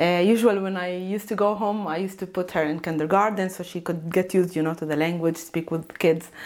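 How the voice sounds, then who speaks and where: A woman with an Arabic accent talks at a very fast pace in a medium pitch, with fairly even intonation and hardly any pauses. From Palestine. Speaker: language teacher. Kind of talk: interview. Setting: video call. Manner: laughs often.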